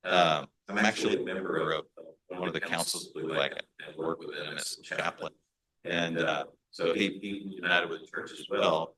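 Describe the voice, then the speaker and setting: A man with a low voice and a Hispanic American accent speaks as a pastor to a church meeting. His tone is bright and forceful, and he talks in a relaxed way, full of fillers and restarts. The sound bounces around an echoey meeting room. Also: moderate pace. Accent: Hispanic American English.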